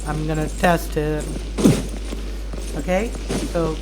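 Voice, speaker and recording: Slow, low-voiced woman doing gameplay commentary. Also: steady tone, heavy background noise. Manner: halting, thinks aloud. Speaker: gaming video creator. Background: video game music.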